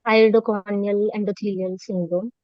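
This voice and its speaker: A woman's voice: mid-range voice, flat delivery, dry recording. Hesitant South Asian woman, muffled dry audio. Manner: hesitant, halting, deferential. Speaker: medical trainee being examined. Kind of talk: oral exam answers. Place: webinar call.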